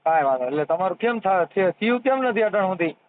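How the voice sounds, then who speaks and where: A social worker taking a phone call, this man has a high, expressive voice, a Kathiawadi Gujarati accent, and talks fast. He asks teasing, persistent questions in a casual conversation. The call recording is tinny and narrowband, with no room sound.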